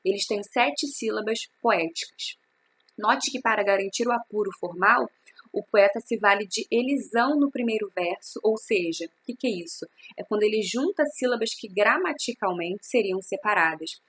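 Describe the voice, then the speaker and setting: A woman's voice: medium pitch, lively intonation, moderate pace, a bit bright, husky. A woman, teaching a recorded literature class and explaining step by step, asking and answering her own questions.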